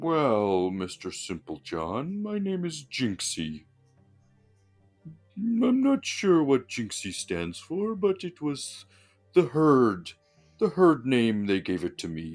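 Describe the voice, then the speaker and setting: Over faint background music, a man puts on a character voice at a medium pitch with very wide pitch swings. He talks at a very slow pace with long, frequent pauses. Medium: actual play.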